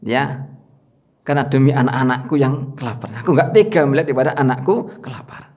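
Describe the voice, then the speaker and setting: A man voicing a poor, desperate mother who pleads in a low, subdued voice for her starving child. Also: quick pace, a little mellow, natural voice. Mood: anguished.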